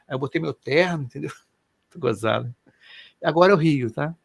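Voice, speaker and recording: Middle-aged guy, gravelly voice, kinda high, telling his story all animated and loose. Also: normal speed, dry recording. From Brazil. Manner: animated, colloquial, emotional storyteller. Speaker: co-host. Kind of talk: personal storytelling in casual chat.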